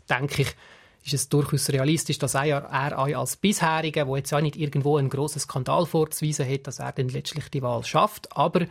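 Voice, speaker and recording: A man with a Swiss German accent giving measured, explanatory political analysis in a radio interview. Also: a little high.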